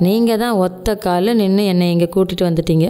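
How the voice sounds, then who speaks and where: Young woman, actress playing a sharp-tongued, suspicious daughter-in-law, sarcastic and accusing, dark mellow tone. Radio drama. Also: on the low side, brisk, soft background music, lightly acted.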